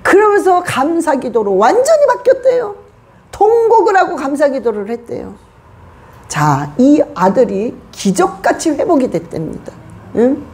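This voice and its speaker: A woman's voice: high-pitched, sing-song, normal speed, darkish tone. A woman pastor preaching a sermon to her congregation, emphatic and full of rhetorical questions. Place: church.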